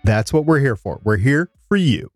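A man's voice: medium pitch, expressive, moderate pace, no echo, studio quality, faint music behind. A middle-aged man co-hosting a podcast about podcasting, chatting casually and rambling with frequent restarts. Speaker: podcast co-host.

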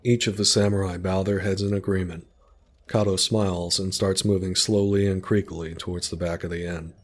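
Deep-voiced man narrating a story. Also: flat delivery, brisk.

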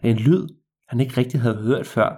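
A man telling a story to listeners in a lively, meandering way, with hesitations and repeats. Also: mid-range voice, slightly rough.

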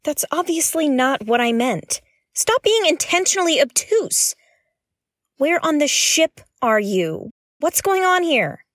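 A woman's voice: high-pitched, big pitch swings, measured pace, a bit bright, no echo, studio quality, full character voice. A woman playing a blunt, suspicious space explorer in a science-fiction audio drama, with an exasperated, sarcastic and emphatic delivery. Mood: indignant.

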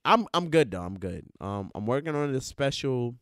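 A man's voice: mid-range voice, big pitch swings, moderate pace, a bit bright, dry recording, studio quality. A man co-hosting a podcast in casual chat, teasing and joking, often trying playful put-on accents. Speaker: podcast co-host. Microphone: headphones and studio mic.

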